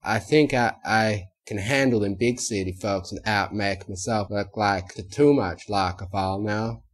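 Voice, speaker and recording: A man's voice: fairly low pitch, measured pace. A man reading a storybook and voicing a young adult farm mare with a Southern drawl. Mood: reassuring. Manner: drawling, stammers when nervous. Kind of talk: audiobook character reading.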